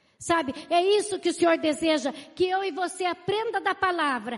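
Her voice extremely high-pitched, a woman speaks with ordinary pitch variation. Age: 60s. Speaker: pastor. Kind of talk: sermon.

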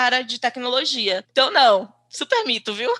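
This woman's voice sits high in pitch. She speaks in a raised, projected way. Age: 30s. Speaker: software developer. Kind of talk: casual interview.

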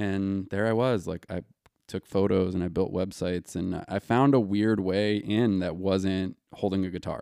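This man has a fairly low, dark, mellow voice. He talks at a moderate pace with fairly even intonation. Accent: American. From New Jersey, Monmouth County. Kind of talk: casual chat.

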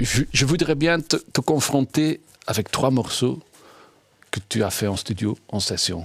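Speaking at a very slow pace with a Dutch accent, a man leaves long, frequent pauses and has vocal fry at a medium pitch. His intonation is lively, and the sound is dry and close with no echo. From Flanders, Belgium. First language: Dutch (speaking French). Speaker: podcast host. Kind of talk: interview. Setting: streaming studio.

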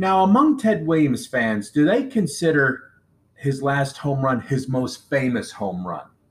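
A somewhat breathy voice at a fairly slow pace, with very wide pitch swings. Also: man, fairly high pitch for a man. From New Jersey. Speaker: podcast host. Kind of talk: interview.

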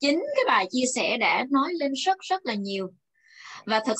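In a dry, close sound with no echo, a woman uses a raised, projected voice at a high pitch, bright and sharp in tone, at a fairly slow pace. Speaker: event moderator. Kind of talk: event hosting. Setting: video call.

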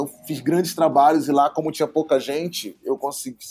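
A man's normal speaking voice, a normal speaking voice at fairly high pitch, with ordinary pitch variation and a fairly quick pace. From Niterói, Rio de Janeiro, Brazil. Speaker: advertising copywriter. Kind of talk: casual interview.

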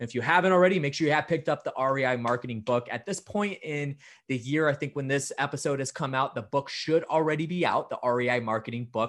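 With an animated tone, a man races along at a very fast pace in a fairly high pitch, hardly pausing at all. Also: ordinary pitch variation, quiet background. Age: 20s. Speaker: podcast host, real estate marketer. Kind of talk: promotional outro; casual interview.

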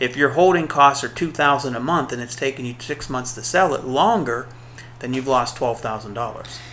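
Noticeable background noise sits behind a man with an American accent, medium pitch and ordinary pitch variation, who talks at a moderate pace with big swings in loudness. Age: 50s. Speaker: real estate investor and trainer. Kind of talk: podcast instruction.

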